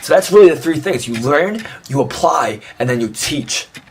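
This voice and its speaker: A man with a fairly high pitch, ordinary pitch variation and a moderate pace, over noticeable background noise. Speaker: motivational YouTuber. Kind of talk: casual motivational vlog.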